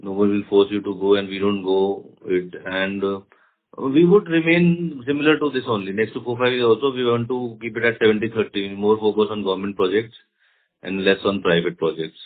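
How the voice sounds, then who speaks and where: Lowish-voiced Indian executive, phone line. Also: male voice, fairly even intonation, brisk. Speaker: company executive answering investors. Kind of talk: earnings call answers. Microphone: phone conference call. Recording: narrow muffled phone line.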